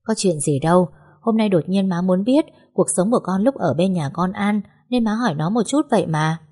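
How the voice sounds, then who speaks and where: A woman voicing a harsh older mother-in-law, sharp and contemptuous. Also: mid-range voice, normal speed, slightly rough. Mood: defensive.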